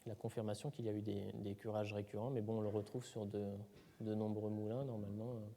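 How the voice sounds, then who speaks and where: A man's voice: on the low side, flat delivery, fast, mellow, slight background noise. A man presenting excavation results at a seminar, hesitant, with many fillers and restarts. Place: lecture hall. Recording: reverberant lecture hall.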